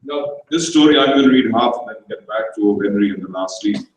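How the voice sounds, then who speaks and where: A man introduces the next story in a relaxed, joking way. His voice sits low, and it comes across from a distance with heavy echo filling the hall. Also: brisk, slight background noise. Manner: jokey, conversational introduction. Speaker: reader and presenter. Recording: very echoey hall, distant mic.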